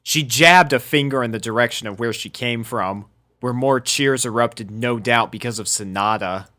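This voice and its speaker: A man's voice: mid-range voice, moderate pace, pushed and bright. A man reading a scripted fan-fiction story aloud as narrator.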